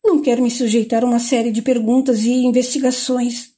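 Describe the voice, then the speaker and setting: A frightened, ashamed young woman pleads in a tearful voice with a Brazilian Portuguese accent, as a woman narrating a storybook voices her. The tone is mellow and fairly high. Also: level tone, brisk, close to an everyday voice. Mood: pleading.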